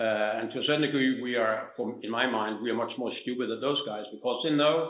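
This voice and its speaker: A man's medium-pitched voice in a Danish accent, fairly quick, with ordinary pitch variation and audible room echo. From Denmark. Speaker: film director. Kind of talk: interview.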